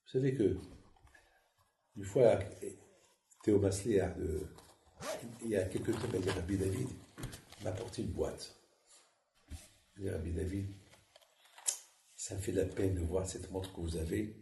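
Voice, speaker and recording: A man, a rabbi, preaching a sermon and telling stories with lively acted-out dialogue. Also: sits low, measured pace, gravelly, long pauses. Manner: lively storytelling, acts out dialogue. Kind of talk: sermon with anecdotes. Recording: echoey hall with faint noise.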